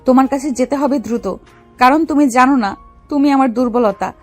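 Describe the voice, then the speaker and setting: A woman's voice: high voice, a little fast. A woman playing a bold young female gangster and secret officer in a dramatized love story, commanding yet affectionate. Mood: tender, determined. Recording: music under the voice.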